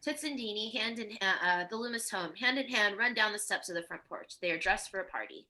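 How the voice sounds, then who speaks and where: A woman's voice: mid-range voice, fairly quick, sharp tone, poor audio. A woman narrating a screenplay, reading stage directions in a scripted table-read style.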